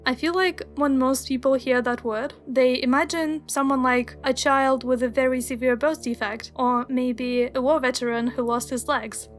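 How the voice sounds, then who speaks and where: High-voiced young woman narrating a video essay. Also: fairly even intonation, moderate pace, few pauses, soft background music. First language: Russian. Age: young adult. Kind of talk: scripted voice-over narration.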